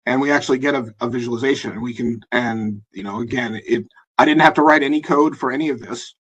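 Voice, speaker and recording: A man with a hoarse, husky voice presenting a live software demo in a webinar, talking in a halting way with many fillers and restarts. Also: medium pitch, muffled recording. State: hoarse, losing his voice.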